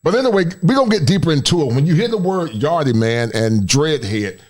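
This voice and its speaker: A man's voice: on the high side, lively intonation, a little fast, a little mellow. A man hosting a podcast in a casual, laid-back chat, often chiming in to agree. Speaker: podcast host.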